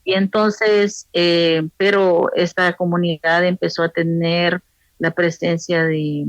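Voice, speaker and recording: A woman from Honduras with a Honduran accent, a pastor answering interview questions thoughtfully, with frequent pauses and restarts. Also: fairly low pitch, level tone, no echo, muffled recording. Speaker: pastor's wife and guest.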